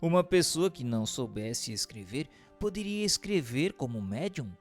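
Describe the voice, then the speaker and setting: A man's voice: medium pitch, sing-song, moderate pace. A man giving a formal, declamatory scripted reading as narrator and questioner in a radio drama. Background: faint music.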